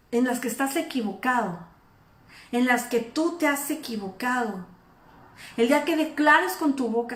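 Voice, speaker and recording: A woman preaching an informal sermon, animated and acting out the people she speaks of. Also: fairly high pitch, echoey room. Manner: animated, acts out imagined speakers.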